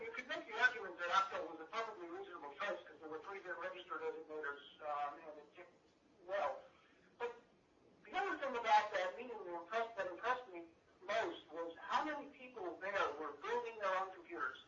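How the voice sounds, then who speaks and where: Man with a high voice over the phone. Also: pushed and bright, recorded from a distance, slight background noise. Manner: thoughtful, recollecting. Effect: over the phone on speakerphone. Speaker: guest speaker calling in. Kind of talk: reminiscing talk. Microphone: phone on speakerphone, held up to a microphone. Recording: muffled speakerphone in an echoey room, heard from afar.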